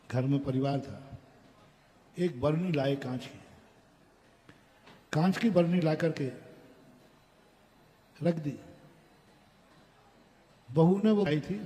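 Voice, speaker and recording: A man preaching a sermon, telling a story and addressing the audience directly in an animated way. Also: a little high, big-room sound. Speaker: Jain preacher.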